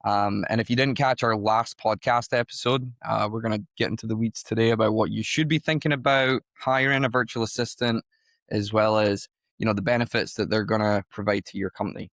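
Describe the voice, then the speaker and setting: A man's voice: on the low side, steady tone, fairly quick, fairly bright tone, dry recording, studio quality. Upbeat man hosting a podcast. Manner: upbeat, enthusiastic, chatty. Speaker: podcast host. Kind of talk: casual podcast interview.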